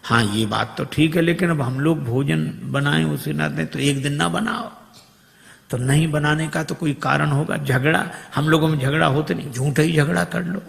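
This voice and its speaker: A man's voice: a little high, creaky. A man preaching, telling a humorous devotional story with sung verses. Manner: lively storyteller, sings verses slowly. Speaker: spiritual preacher. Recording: long hall reverb.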